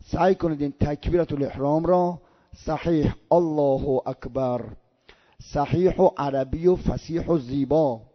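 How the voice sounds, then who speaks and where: An older man from Iran giving a religious lesson on prayer, slowly drawing out Arabic sounds as he demonstrates them. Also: on the high side, fairly even intonation, dull audio. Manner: slow drawn-out recitation of Arabic sounds. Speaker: cleric teaching prayer.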